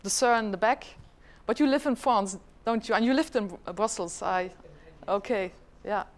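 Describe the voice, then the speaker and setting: A woman's voice: medium pitch, moderate pace. A middle-aged Flemish woman whose first language is Dutch, giving a chatty conference presentation and asking the audience questions. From Flanders, Belgium. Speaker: government department head giving a presentation.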